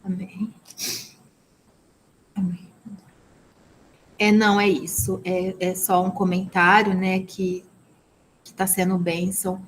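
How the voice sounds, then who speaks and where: A woman's voice: mid-range voice, level tone, slow, long pauses, a little hiss or hum, rough recording. A woman with a Brazilian Portuguese accent teaching a live online women's ministry Bible class, earnest and full of blessings, with frequent "amen?" tag questions. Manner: peppers speech with "amen?" and "né?" tags; earnest, blessing-filled preaching tone.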